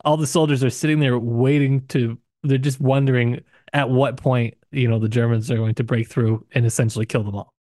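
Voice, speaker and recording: A man's voice: mid-range voice, fairly even intonation, brisk, hardly any pauses, darkish tone, no room sound, clean studio sound. A man co-hosting a casual book discussion podcast in a wry, teasing way, with joking asides. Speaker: podcast co-host. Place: recording booth.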